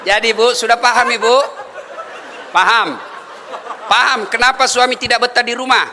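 A man's voice: very high voice, level tone, normal speed, background noise. A man preaching a humorous sermon, telling stories with a playful manner, acting out the voices and laughing as he talks. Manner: playful storytelling, acts out voices, laughs while talking. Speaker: Islamic preacher. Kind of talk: humorous sermon to a live audience. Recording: long hall reverb.

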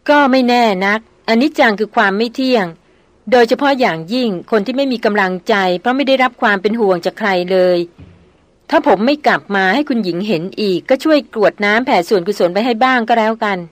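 A woman's voice: on the high side, fairly quick, no room sound, natural voice. A woman reading an audiobook novel, voicing a proud, wry male jungle hunter with a dry, teasing manner.

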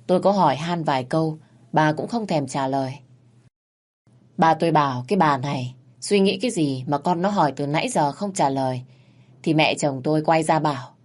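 Low-voiced woman narrating calmly. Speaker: storyteller. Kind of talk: first-person story narration. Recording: faint music underneath.

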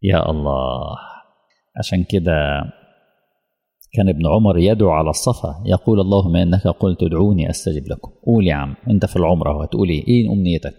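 Egyptian male preacher, low dark husky voice, emotional sermon, long hall echo. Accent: Egyptian Arabic. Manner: emotional, slow emphatic preaching that drops to near-whispers.

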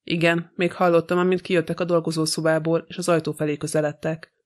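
A man narrates an audiobook in the role of a scornful, gossipy old housekeeper with a sly streak and a grumbling manner. He sounds fairly high-pitched and flat, only lightly acting the part.

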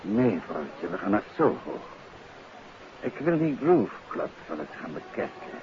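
An actor playing a composed, inquisitive gentleman detective in a 1950s Dutch radio drama, polite but firm. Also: deep voice, big pitch swings, measured pace. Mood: grave, decisive. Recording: muffled, noisy 1959 radio recording.

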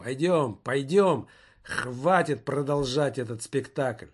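A man's voice: mid-range voice, slow pace, slightly rough. A man voicing a tired male office worker who mutters wearily. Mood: weary. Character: weary worn-out young male office worker.

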